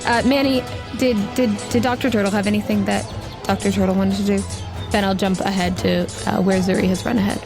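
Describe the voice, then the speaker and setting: Woman game master over clear background music. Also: medium pitch, steady tone, brisk. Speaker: game master and podcast host. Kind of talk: narrating a tabletop game. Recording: music playing behind the voice.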